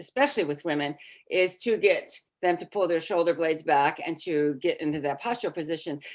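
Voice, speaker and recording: An ordinary speaking voice with an American accent moves at a fairly quick pace with lively intonation. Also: woman. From US Midwest (Illinois). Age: 60s. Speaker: personal trainer. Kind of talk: interview.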